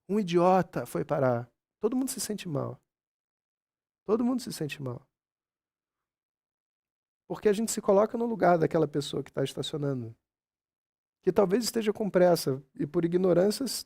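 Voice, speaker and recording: A man speaks in a conversational talk to a live audience. His voice is gravelly and dark, sitting a little high for a man. He keeps checking in with the listeners as he goes. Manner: conversational, keeps asking "sabe?" and "você entende?"; acts out quoted dialogue with his mother. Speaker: spiritual speaker.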